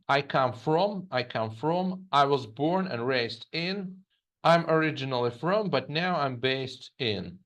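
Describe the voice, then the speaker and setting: A man from Germany, an English teacher, narrating a scripted lesson and reading example phrases slowly and twice. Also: medium pitch, fairly bright tone. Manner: reads example phrases slowly and repeats them.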